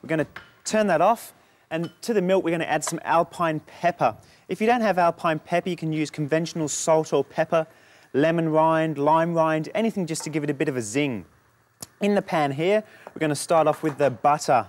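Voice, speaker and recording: A man's voice: fairly high pitch, fairly quick. A young man, a chef in a studio kitchen, explaining a recipe in a friendly way. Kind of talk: cooking demonstration.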